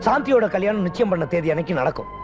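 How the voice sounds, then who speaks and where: A man's voice: sits high, lively intonation, racing. An actor playing an earnest man who pleads with his angry friend and promises to pay back a debt. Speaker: film comedy character. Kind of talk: 1990s film drama acting. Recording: dull film soundtrack with music.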